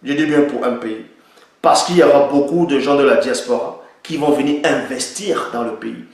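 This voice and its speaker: A man's voice: mid-range voice, moderate pace. Emphatic man in a very echoey room. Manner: emphatic, repeats points for stress. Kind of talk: opinion monologue, citing the Bible.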